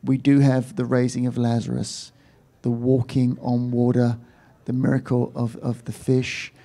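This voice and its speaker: A man with a mellow, warm voice of middling pitch answers a panel question. He speaks emphatically, building his story to a point. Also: level tone, measured pace. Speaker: film producer.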